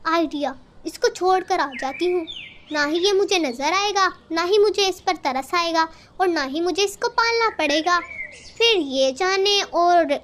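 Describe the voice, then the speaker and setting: Cartoon mother crow, heartless and grumbling, a woman voicing her, very high voice. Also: measured pace, fairly bright tone, slight background noise. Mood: cold. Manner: complaining, cold.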